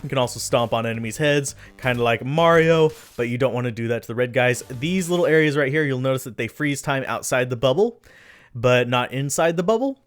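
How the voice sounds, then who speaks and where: A man talks through his own gameplay in a relaxed, chatty way, laughing at his own mistakes and drifting off topic now and then. His voice sits at an ordinary middle pitch. Light game music plays quietly behind him. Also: fairly quick. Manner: chatty, self-deprecating, easily sidetracked. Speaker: let's play commentator. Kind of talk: casual gameplay commentary.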